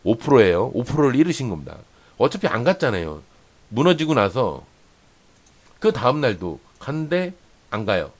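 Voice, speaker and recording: With big pitch swings in a medium voice at a moderate pace, the host of a stock trading channel explains a chart for day traders. He keeps saying "here" and "this much" as he points along it, repeats himself for emphasis, and frequently checks in with "right?"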